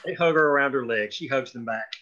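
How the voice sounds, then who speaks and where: Bright, forceful male script narrator, lo-fi. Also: mid-range voice, fast talker. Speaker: stage direction reader. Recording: dull lo-fi audio.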